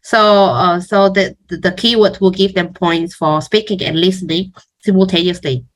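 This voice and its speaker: A woman's voice: on the low side, steady tone, normal speed. A woman test coach talking casually in a question-and-answer discussion, hesitantly, often repeating words as she goes.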